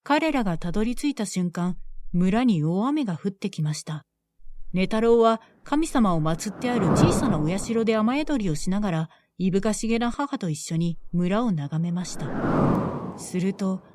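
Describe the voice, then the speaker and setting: A woman telling a scripted bedtime story in a gentle, even storytelling manner. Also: medium pitch, normal speed, noisy background.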